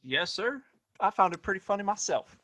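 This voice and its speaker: A man acts a cocky sheriff in a Western radio play, the boss's threatening yet obedient son. His high, bright voice moves in lively swings, with folksy, rough grammar. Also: fairly quick, heavily acted. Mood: deferential. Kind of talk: Western audio play acting.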